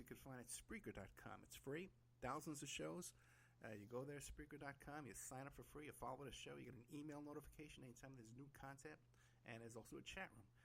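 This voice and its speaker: A man's voice: fairly high pitch, gravelly, a bit bright, slight background noise. A man hosting a podcast, talking casually and enthusiastically with lots of fillers. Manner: fast, enthusiastic, frequent laughs and fillers. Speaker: podcast host. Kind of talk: casual interview chat.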